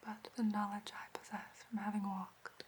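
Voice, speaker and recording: A woman playing an ancient, gentle elf therapist in a whispered role-play, speaking softly, formally and solemnly in a breathy whisper. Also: medium pitch, little pitch movement, moderate pace, a little hiss or hum, close to an everyday voice.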